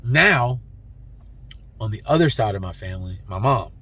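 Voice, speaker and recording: A man's voice: fairly low pitch, animated, normal speed, bright, forceful tone, slightly rough. A man vlogging, rambling and heartfelt, emotional and holding back tears, with many fillers. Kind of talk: personal talk to camera.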